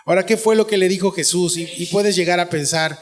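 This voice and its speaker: Preaching in a church sanctuary with long hall reverb, a pastor with a Mexican Spanish accent speaks in a high, fairly quick voice. His tone is earnest and conversational, and he often asks the listeners questions.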